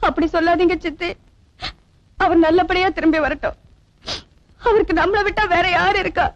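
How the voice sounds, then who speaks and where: An actress playing a gentle, long-suffering young village woman who speaks in a soft, pleading, tearful way, in a dramatic film scene. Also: very high-pitched, moderate pace. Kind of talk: 1980s Tamil film acting. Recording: dull film soundtrack with music.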